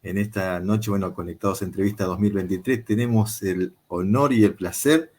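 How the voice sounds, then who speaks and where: Man, interview host, husky low voice, unhurried, lots of filler pauses, video call. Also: a little mellow.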